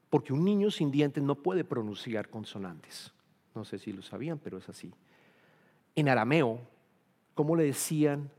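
Man, preacher, sermon, emphatic peaks, mid-pitched voice, long hall reverb. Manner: emphatic, rising to loud peaks on key points.

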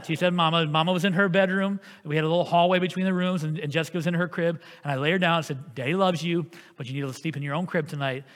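A man preaching a sermon as pastor, telling a family story in an earnest, animated way. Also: a little high, in a large hall.

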